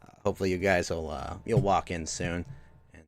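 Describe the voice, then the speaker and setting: A man's voice: low-pitched, steady tone, fairly quick, gravelly. A young man streaming games from home, chatting loosely with his chat, restarting sentences a lot. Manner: rambling, many restarts, talks to chat. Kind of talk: casual live-stream chat.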